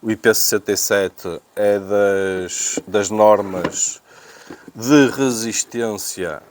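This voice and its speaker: A man's voice: on the low side, slow, slight background noise. A man with a European Portuguese accent presenting an unboxing in casual, unscripted talk, hesitating and repeating himself as he thinks aloud. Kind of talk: casual unscripted product review.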